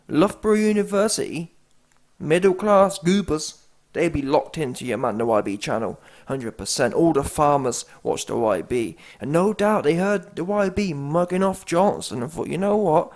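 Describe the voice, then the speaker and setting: Man, youtube host, mocking, slangy, animated reaction commentary, slightly high voice. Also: moderate pace.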